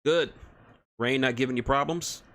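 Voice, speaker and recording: A man's voice: mid-range voice, normal speed, a bit bright, pitched above the performer's own voice, lightly acted. A man voicing a cocky, wisecracking male crew leader with a smug, teasing manner.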